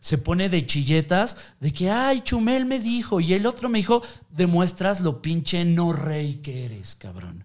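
Against a quiet background, a man with a Mexican accent speaks at a high pitch with very wide pitch swings. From Mexico. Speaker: comedian. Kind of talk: casual chat. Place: studio. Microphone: studio mic.

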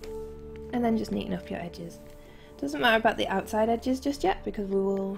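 Female speech at an average speed over background music. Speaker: digital artist. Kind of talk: software tutorial narration. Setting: screen recording, low audio quality. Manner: casual, hesitant.

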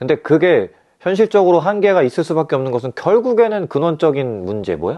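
A man talks at a fairly quick pace in a high pitch, his tone dark and mellow with very wide pitch swings. The background is quiet. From South Korea. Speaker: bodybuilder and fitness youtuber; fitness youtuber. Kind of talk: talking-head video essay. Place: studio. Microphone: lapel.

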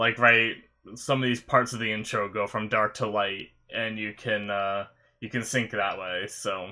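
An ordinary speaking voice moves at a fairly slow pace with fairly even intonation against a quiet background. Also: man, fairly low pitch for a man. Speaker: reaction video host. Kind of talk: casual reaction commentary. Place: home room.

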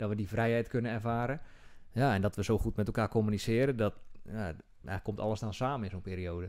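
The man talks very fast, and the background is quiet. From Netherlands, Hoeksche Waard (South Holland); South Holland, Netherlands. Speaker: business coach. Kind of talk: interview. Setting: office. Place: meeting room. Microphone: studio mic.

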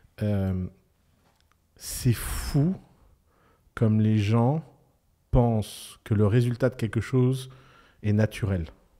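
A man speaks at a very slow pace in a dark, mellow tone, with long, frequent pauses. His loudness stays very even against a quiet background. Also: ordinary pitch variation. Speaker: podcast co-host and entrepreneur; podcast co-host. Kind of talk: casual chat. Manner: animated. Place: studio. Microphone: studio mic.

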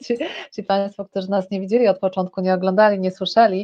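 A woman speaks at a medium pitch with fairly even intonation. It is a plain, everyday voice. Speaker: live Q&A moderator. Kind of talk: reading viewer questions. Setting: live stream. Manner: warm, friendly.

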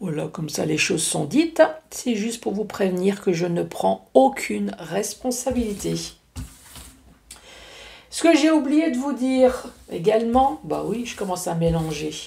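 A woman talks at a fairly slow pace with long, frequent pauses and big swings in loudness, with audible room echo. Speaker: card reader. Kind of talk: tarot reading commentary. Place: home room. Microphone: camera far.

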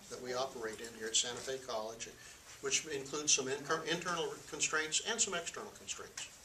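A man speaks fairly quickly. Background noise is noticeable throughout. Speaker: college instructor. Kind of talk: lecture. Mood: candid, critical. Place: classroom.

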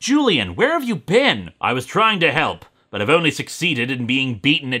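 A man speaks in a raised, projected voice with a bright, sharp tone and very wide pitch swings. His pace is moderate, and the background is quiet. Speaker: comic reviewer. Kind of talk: commentary. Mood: sarcastic, humorous. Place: home room.

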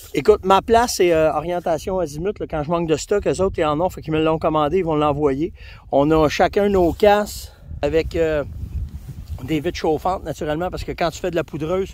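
A man talks at a fairly quick pace with fairly even intonation. The sound is dry with no echo, and there is light background noise. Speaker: outdoor show host. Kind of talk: casual vlog chat. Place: open country. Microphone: phone near.

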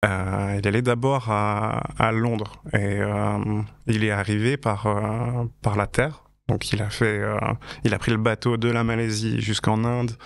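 A man speaks very slowly in a flat monotone, his pitch fairly low, with a dry, echo-free sound over a quiet background. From Switzerland, canton of Vaud (Payerne); Vaud, Switzerland. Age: 30s. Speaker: fashion photographer; podcast guest. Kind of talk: interview conversation. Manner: hesitant, many fillers. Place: studio. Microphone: studio mic.

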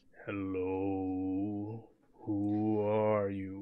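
A booming, put-on character voice delivers its lines in a monotone, flat intonation. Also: man, fairly low pitch for a man.

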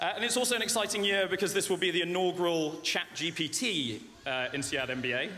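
Light background noise surrounds a man speaking with a British accent. His high-pitched voice moves at a moderate pace with lively intonation. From UK. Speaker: MBA graduate class speaker; speaker. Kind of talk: graduation speech. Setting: stage with audience in a greenhouse. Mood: humorous, warm. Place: tent.

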